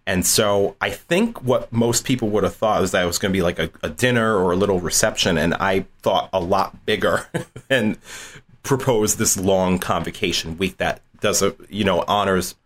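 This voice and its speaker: A man from southeastern Massachusetts, a college dean and interview guest, telling animated stories, laughing often and repeating words. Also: lowish voice. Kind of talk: casual interview storytelling.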